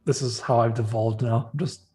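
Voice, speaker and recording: A man co-hosts a live stream in easy, casual chat, laughing often and reading viewer comments aloud. His voice sits at a middle pitch. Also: steady tone, moderate pace, warm tone. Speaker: livestream co-host.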